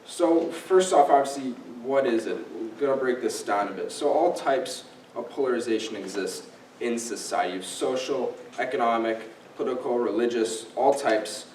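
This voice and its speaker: A man's voice: medium pitch, moderate pace, darkish tone. A young man in his late teens giving a casual, explanatory talk as a guest speaker, using fillers and signposting his points. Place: library event room. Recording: echoey room, distant mic, faint noise.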